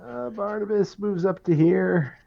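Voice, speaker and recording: A man's voice: high voice, a little slow, gravelly. A man chatting casually as a player in a tabletop role-playing game, recorded on a dull microphone.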